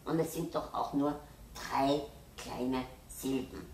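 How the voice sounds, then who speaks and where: A woman's voice: extremely low pitch, takes it slowly, vocal fry, voice pushed up, exaggerated voice. Woman doing a pleading, sulky young boy for a storybook; boyish lift, faint hiss behind. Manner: pleading, turns to angry shouting. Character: anxious, stubborn young boy. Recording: roomy, distant mic, faint hiss.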